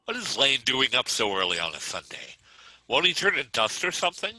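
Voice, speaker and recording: A man's voice: mid-range voice, big pitch swings, brisk, sharp tone, dry recording, heavily acted, rough recording. A man playing an irate, exasperated suburban father in a comedic script read, blustering and emphatic.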